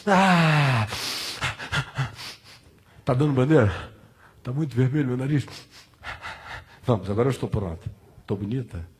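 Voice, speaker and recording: A man with a Brazilian accent playing a vain, hurried celebrity primping for photographers in an affected, breezy way during a comic sketch. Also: medium pitch, lively intonation, slightly rough, voice pushed down. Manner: affected, breezy, self-absorbed.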